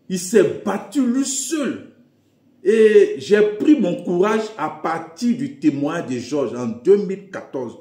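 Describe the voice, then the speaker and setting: A man's voice: high voice, darkish tone. A man preaching as a self-styled prophet, declamatory, with emphatic repetition. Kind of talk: preaching address. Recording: echoey room.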